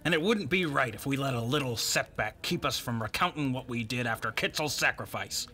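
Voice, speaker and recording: A man playing a folksy, tactless, cocksure villager in an audio drama, with a gravelly voice and blunt manner. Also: mid-range voice, a little fast, bright, forceful tone, close to an everyday voice. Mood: hearty, cocksure.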